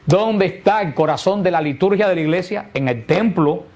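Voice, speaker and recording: A man with a somewhat high voice leads a catechesis class. He explains patiently, often stopping to throw a question at his listeners before he answers it himself. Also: moderate pace, a little mellow. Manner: explanatory, asks rhetorical questions and answers them. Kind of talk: catechesis lesson to a group.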